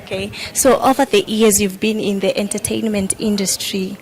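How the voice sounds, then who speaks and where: A woman's voice: medium pitch, little pitch movement, normal speed, a little mellow. A woman hosting a radio interview, asking friendly, chatty questions.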